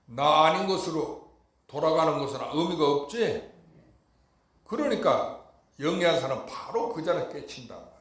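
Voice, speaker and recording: Monk, mid-high voice, emphatic sermon, echoey temple hall. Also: male voice, animated, normal speed. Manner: emphatic, rhetorical, keeps asking the hall if they understood. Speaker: Buddhist monk. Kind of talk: Dharma talk.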